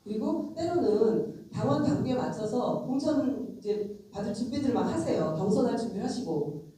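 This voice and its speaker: A woman's voice: a little high, animated, moderate pace, warm tone. A middle-aged woman with a cold, a lawmaker giving a frank, conversational lecture straight to her audience. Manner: frank, emphatic, addresses audience directly. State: has a cold. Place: convention center lecture hall. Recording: very echoey hall, distant mic.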